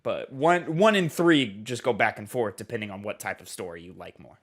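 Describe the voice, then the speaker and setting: A man co-hosting a casual gaming podcast, telling stories in an animated way and laughing often. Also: fairly low pitch, fairly quick. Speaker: podcast co-host running the minigame. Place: podcast recording, indoors.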